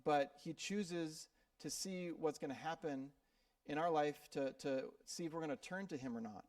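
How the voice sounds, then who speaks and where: Brief: male pastor from Minnesota, slightly higher voice, conversational sermon delivery, dry sound with the mic set back from him. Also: moderate pace, a little mellow, no room sound, recorded from a distance. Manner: conversational preaching with frequent fillers and repeated words. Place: church sanctuary.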